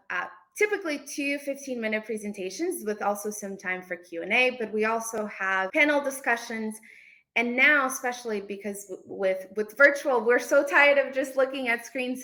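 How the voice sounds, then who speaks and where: Bright-voiced woman presenter from Portugal. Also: on the high side, moderate pace. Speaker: events manager presenting a talk. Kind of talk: informal online presentation.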